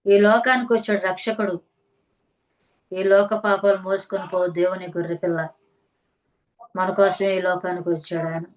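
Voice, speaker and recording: A woman preaching a sermon at a middle pitch. She reads scripture aloud and builds her points through repeated, rhythmic phrases. She keeps turning to her listeners with pointed questions. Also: poor audio. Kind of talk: sermon reading and explaining scripture.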